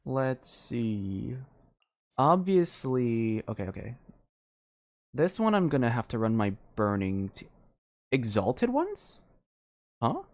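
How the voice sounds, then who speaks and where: A game streamer with a medium-pitched voice talks casually through live gameplay. The delivery is hesitant, as thoughts are worked out aloud and sentences often trail off before they finish. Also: very animated, slow pace, long pauses, darkish tone.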